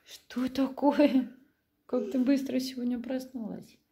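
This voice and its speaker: A high-pitched voice with vocal fry speaks slowly in a steady tone, with crowd noise present, as a woman in her thirties vlogs informally at home. This mom of young children talks to the camera and her toddler across the living room and bedrooms indoors. The room is echoey.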